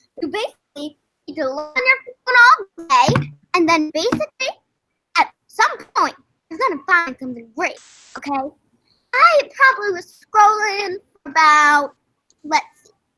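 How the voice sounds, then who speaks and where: A woman's put-on character voice, extremely high-pitched, with very wide pitch swings, big jumps in loudness, long frequent pauses, and a dry, close sound free of echo. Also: moderate pace. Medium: stage play. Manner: sassy, emphatic, says "okay?" a lot.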